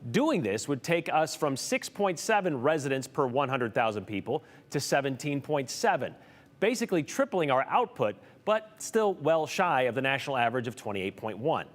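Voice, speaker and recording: A man reporting a local TV news story, with a lively, emphatic delivery. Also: mid-range voice, moderate pace, long reverb tail.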